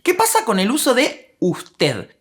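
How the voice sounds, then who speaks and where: Lively Argentine woman narrating a lesson. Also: on the high side, measured pace. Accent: Rioplatense Argentine. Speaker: language teacher and channel host. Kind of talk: scripted voice-over narration.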